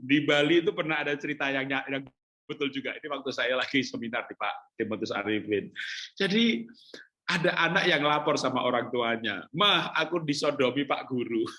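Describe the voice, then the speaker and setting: A middle-aged male pastor preaching on parenting, telling stories with lively acted-out dialogue and frequent laughter. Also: mid-range voice, moderate pace. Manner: lively storytelling, acting out children and parents, laughing often. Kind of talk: sermon on parenting.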